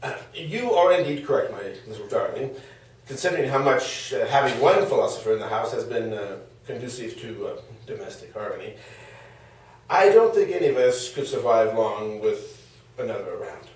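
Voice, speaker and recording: Casting: actor as aging Greek philosopher husband, stage comedy, mid-range, smug and wordy, distant in an echoey room. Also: male voice, mid-range voice, expressive, normal speed, a little mellow, lightly acted. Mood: wryly agreeable. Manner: hesitant, wordy, mock-sweet, theatrical. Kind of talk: comedic stage table read.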